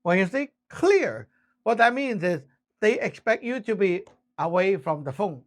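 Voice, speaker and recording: A man's voice: high voice, big pitch swings, unhurried. A man teaching in a casual, conversational way, explaining step by step and often checking that listeners follow. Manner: conversational, frequent check-ins, spells things out step by step. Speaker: instructor teaching radio communication basics. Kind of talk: casual spoken lesson with acted-out example exchanges.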